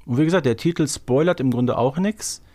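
A man with a medium-pitched voice talks casually as a contestant in a podcast guessing game. He thinks aloud and works through his reasoning step by step. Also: brisk, warm tone. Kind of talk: casual chat.

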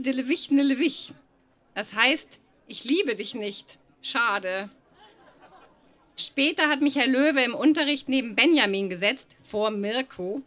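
A woman's voice: on the high side, sharp tone. A woman reading her childhood diary aloud at a live show, often laughing through the text.

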